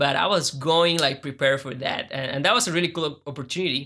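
A man with a Costa Rican accent, fairly high in pitch, bright and sharp in tone, at a moderate pace with ordinary pitch variation, on a very clean recording with a silent background. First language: Spanish. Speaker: startup founder. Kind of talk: casual chat.

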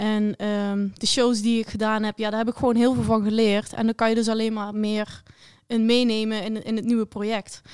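On a very clean recording with a silent background, a woman with a fairly high pitch speaks at a moderate pace in a monotone, flat intonation. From Limburg. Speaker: DJ and producer. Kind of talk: casual chat.

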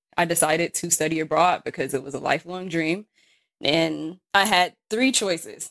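An unremarkable speaking voice with an American accent moves at a moderate pace with ordinary pitch variation. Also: woman, fairly low pitch for a woman. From US Midwest, Milwaukee, Wisconsin. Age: 20s. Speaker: ESL teacher. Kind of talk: interview testimony, personal life stories.

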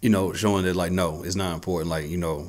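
With audible room echo, a man talks at a fairly quick pace in a very deep, low pitch. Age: 30s. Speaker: podcast co-host. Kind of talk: casual political discussion.

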